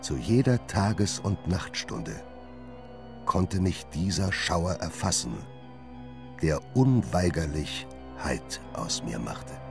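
Radio play narrator man acting: haunted doctor, bass register, grave and literary, faint music underneath. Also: sing-song, slow pace, vocal fry, full character voice. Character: haunted gentleman doctor recounting his downfall. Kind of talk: dramatic first-person narration in a radio play.

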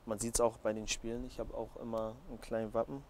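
Bright-voiced young German man, even pitch. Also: quick pace. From Hamburg, Germany. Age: 20s. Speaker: footballer, interview guest. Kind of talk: casual interview answers. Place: open-air terrace by a training pitch. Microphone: lapel mic. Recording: outdoor recording with clear background noise.

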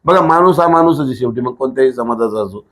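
A man's voice: mid-range voice, animated, quick pace, fairly bright tone. A man, an activist answering in a casual interview in a blunt, emphatic way with rhetorical questions. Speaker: political activist, interview guest.

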